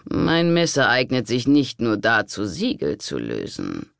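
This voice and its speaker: This is a crafty, conspiring monk from a historical audiobook, voiced by a male reader. He talks slowly and smoothly in a gravelly voice. It is recorded close, in a dry space. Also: mid-range voice, huge pitch swings, fairly bright tone, dry recording, full character voice. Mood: conspiratorial. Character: sly scheming monk, smooth and persuasive.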